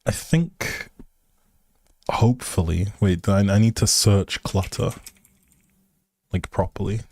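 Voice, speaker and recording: A man's voice: on the low side, takes it slowly, a little mellow, breathy edge. A man live streaming a game, chatting casually with viewers and thinking aloud in an easygoing, polite way. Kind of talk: casual livestream chat over gameplay.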